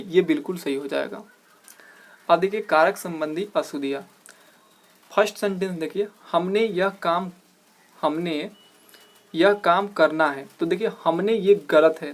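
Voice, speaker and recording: A man teaching an exam-prep grammar lesson as host of his channel. He asks rhetorical questions, keeps saying "look here", and slows down to stress each corrected phrase. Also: high voice. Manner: explanatory, repeats "dekhiye", slows down to stress corrected words.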